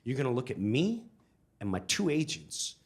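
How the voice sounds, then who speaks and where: A comic as a stern, low-toned federal agent. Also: male voice, very animated. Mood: stern, menacing. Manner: stern, deliberate, intimidating. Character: intense, menacing male federal agent. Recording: live comedy club, audience noise.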